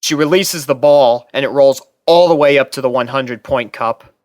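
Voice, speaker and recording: A man's voice: mid-range voice, normal speed, darkish tone, no room sound, clean studio sound. A man reading scripted first-person fiction aloud as a story narrator. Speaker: narrator and reader.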